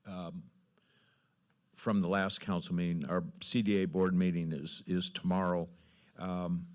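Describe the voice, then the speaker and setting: A man speaking as a city council member, giving an informal update in a low-key, halting way. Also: little pitch movement.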